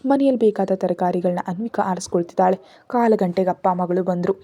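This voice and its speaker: Woman narrating a romance story, mellow and dry. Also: lowish voice, fairly quick, dry recording, dull audio. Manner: reads every character's lines in her own narrating voice.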